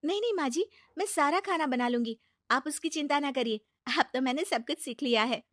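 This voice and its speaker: A woman's voice: high-pitched, unhurried, bright, forceful tone, no room sound, clean studio sound, pitched above the performer's own voice. A woman voicing a polite, eager young newlywed bride with a sweet, girlish voice. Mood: pleading.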